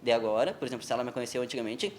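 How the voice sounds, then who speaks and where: A man's voice: mid-range voice, lively intonation, very fast, a little hiss or hum. A young man telling a personal story in a TV interview, informal, with frequent tag questions. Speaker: interview guest. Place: television studio.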